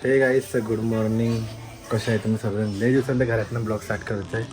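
A man's voice: steady tone, fast talker, darkish tone. A young man, chatting casually to viewers in a home vlog. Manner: chatty, talks to baby in high sing-song voice. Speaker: vlogger.

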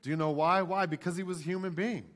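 A man's voice: high-pitched, steady tone, quick pace. An American man in his forties preaching as a pastor in an emphatic way, repeating key phrases. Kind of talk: sermon. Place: church stage, indoors.

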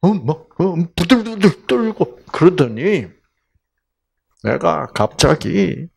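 A man giving a Bible lecture as a lively storyteller, asking the audience questions as he goes. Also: on the high side, slow pace, creaky, husky.

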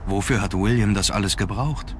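A brooding young nobleman, acted by a man in a horror adventure game. His voice is fairly low, and he delivers his lines in a measured, sombre way. Faint ambient noise sits behind him. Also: natural voice. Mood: sombre, pensive. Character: brooding young nobleman searching an old castle. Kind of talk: scripted adventure game dialogue.

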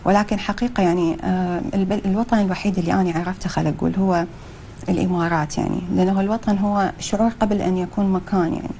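Brief: young woman, Iraqi accent, TV studio guest, mellow tone, quick but hesitant with fillers. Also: mid-range voice, steady tone, slight background noise. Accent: Iraqi Arabic. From Iraq. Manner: hesitant, many fillers, mixes in English phrases. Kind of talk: TV studio interview.

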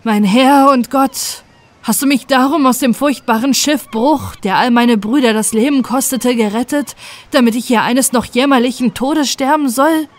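A woman's voice: high-pitched, moderate pace, pitched above the performer's own voice, close to an everyday voice. A woman voicing a desperate young shipwrecked man, pleading and lamenting in a bedtime fairy tale.

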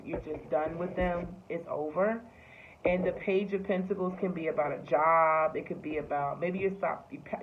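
A woman giving a casual tarot reading, talking loosely with lots of fillers and swearing. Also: fairly low pitch. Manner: loose, profane, filler-heavy talk. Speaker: tarot reader. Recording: tinny phone-like sound with faint noise.

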